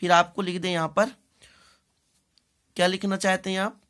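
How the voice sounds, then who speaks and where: A woman with an Indian accent teaching English in a bilingual lesson, deliberately repeating phrases, spelling out words and checking in often. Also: lowish voice, level tone, fairly bright tone.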